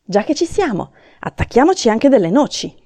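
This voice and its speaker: A woman voicing an eager, cheerful male Christmas elf helper in a storybook reading, lively and excited. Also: fairly high pitch, normal speed, no room sound, voice pushed up.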